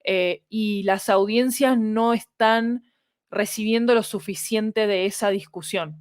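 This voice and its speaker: A woman's voice: medium pitch, slow, dry recording, clean studio sound. A woman, talking analytically and emphatically as a guest in a casual conversation. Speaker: podcast guest, fiction producer.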